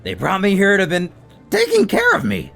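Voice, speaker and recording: A man's voice: sits high, huge pitch swings, moderate pace, vocal fry, fairly bright tone, soft background music, pitched above the performer's own voice, heavily acted. A man voicing a breezy, friendly young swordsman with a casual, chummy way of talking.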